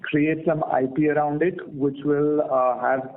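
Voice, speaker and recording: A man's voice: fairly high pitch, flat delivery, unhurried. A male company executive explaining strategy on an earnings call in a methodical way. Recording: noisy narrowband phone line.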